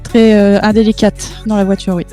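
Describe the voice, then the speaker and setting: A woman playing a kidnapping victim testifying in an online roleplay court, halting and careful. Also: mid-range voice, flat delivery, mellow, faint music behind, lightly acted. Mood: hesitant. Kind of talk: improvised online game roleplay.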